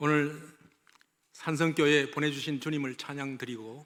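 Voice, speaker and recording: A man talks with a fairly high pitch. The recording is very clean, with a silent background. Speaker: missionary giving testimony. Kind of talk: testimony sermon. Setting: church service.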